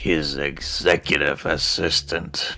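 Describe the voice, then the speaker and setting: A raspy, put-on character voice speaks at a fairly slow pace in a weary tone. Music plays in the background. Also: man. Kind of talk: noir-style storytelling. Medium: game stream. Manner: world-weary, clipped.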